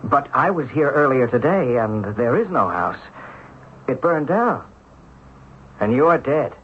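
A man's voice: medium pitch, big pitch swings, unhurried. An actor playing an earnest, stubborn ordinary man bewildered by the supernatural in a radio drama. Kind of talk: 1970s radio drama acting. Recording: dull, faintly noisy old radio recording.

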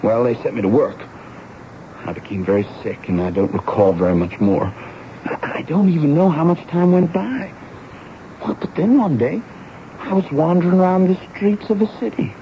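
A man acting an earnest, pleading teenage runaway boy, emotional and halting, in a 1970s radio drama. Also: fairly high pitch, animated. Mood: sorrowful. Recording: dull, noisy vintage radio broadcast.

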